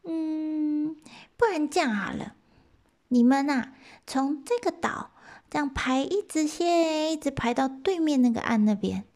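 Brief: a tiny whining hare, shrill and coaxing, storybook telling, put on by a woman narrator. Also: a little slow, a little mellow. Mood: coaxing, sly. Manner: high crying whine, sing-song. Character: small hurt whining male hare, pleading and sly.

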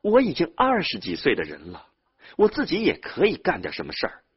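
A man's voice: on the high side, huge pitch swings, brisk, slightly rough, dull audio, voice pushed up, full character voice. A man voicing an earnest young man in his twenties who insists on his own plans. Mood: insistent.

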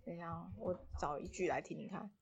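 A woman co-hosting a casual podcast, lively and quick to laugh while sharing clips. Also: fairly low pitch, vocal fry. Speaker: podcast co-host. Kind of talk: casual chat.

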